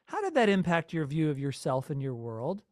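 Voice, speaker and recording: Male interview host, slightly high register, dry room-free sound, conversational and a little halting. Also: huge pitch swings, a little mellow, no room sound.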